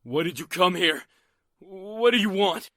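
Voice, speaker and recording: A man playing a gruff, suspicious rural rifleman in an audio drama, folksy and threatening, easily rattled. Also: sits high, expressive, measured pace, a bit bright, no room sound, clean studio sound. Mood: alarmed, nervous. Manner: folksy, threatening, barking orders.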